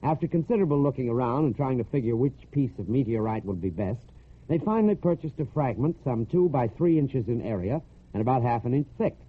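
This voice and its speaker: A man's voice: medium pitch, lively intonation, a little fast, slightly rough. A narrow, tinny old radio recording carries the voice of an American man. He hosts a military radio programme and tells scripted stories. His delivery is folksy and conversational, like a storyteller talking straight to the listener.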